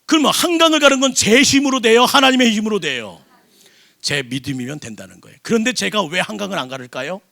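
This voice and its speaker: A senior pastor preaching a sermon in a church service, throwing call-and-response questions at the congregation. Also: male voice, high-pitched, lively intonation, quick pace, creaky, sharp tone.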